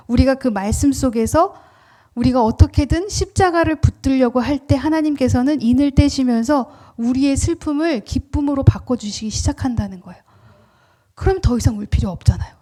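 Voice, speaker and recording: Female preacher, high-pitched, animated sermon delivery with rhetorical questions. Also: a little fast. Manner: animated, acts out quoted words, asks the congregation questions. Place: church.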